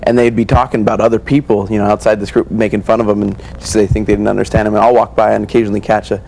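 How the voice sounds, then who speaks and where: A man's voice: on the low side, level tone, racing, gravelly, a little mellow, poor audio. A man chatting casually in a group discussion in a rambling, informal way. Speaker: discussion participant. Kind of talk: casual chat. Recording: faint ambient room noise.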